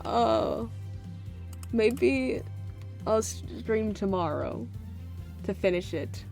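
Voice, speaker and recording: A woman's voice: mid-range voice, big pitch swings, extremely slow, vocal fry, a little mellow, faint music behind. A woman streaming a game, chatting casually as she wraps up while her voice is giving out. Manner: plays all the characters in one voice, sings bits to herself. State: losing her voice. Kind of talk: reading game dialogue aloud, then casual chat.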